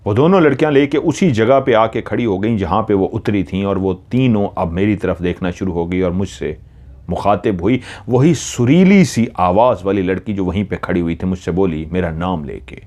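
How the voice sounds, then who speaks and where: A male storyteller with a fairly low voice tells a horror tale in the first person. His delivery is measured and dramatic, sinking to near whispers when the suspense builds. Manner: measured, hushing to near whispers in tense moments.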